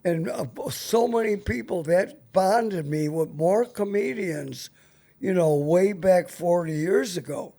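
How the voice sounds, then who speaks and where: Slow, high-voiced older man, mellow tone. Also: gravelly. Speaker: veteran radio host. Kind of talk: casual reminiscing.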